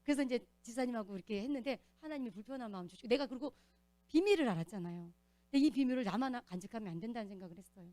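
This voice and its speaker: A woman giving an earnest, animated testimony as a church deacon, telling her story in a church. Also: a little high, very fast, no echo.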